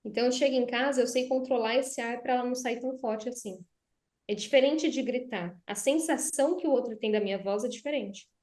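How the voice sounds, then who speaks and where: A woman's voice: on the high side, a little fast, a little mellow. Brazilian woman explaining voice technique. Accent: Brazilian Portuguese. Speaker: guest speech therapist. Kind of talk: conversational explanation. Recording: roomy echo.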